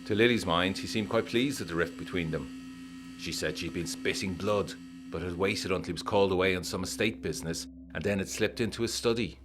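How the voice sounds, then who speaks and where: A man narrating a letter in a measured, formal, old-fashioned manner for a gothic audio drama. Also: deep voice. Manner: measured, formal period storytelling.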